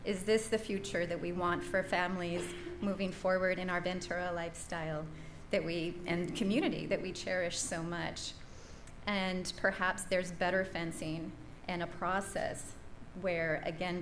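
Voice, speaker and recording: A woman giving an earnest, measured public comment at a school board meeting. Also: on the low side. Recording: roomy echo, faint noise.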